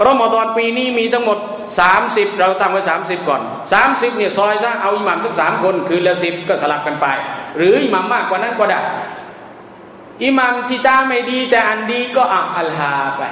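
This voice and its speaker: A man with a high-pitched voice gives a religious lesson in a relaxed, conversational way, checking in with his listeners through rhetorical questions. His voice carries a long, echoing reverb from a large hall. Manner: casual, rhetorical questions to the audience. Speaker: Muslim preacher. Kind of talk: religious instruction talk. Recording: echoey hall with faint noise.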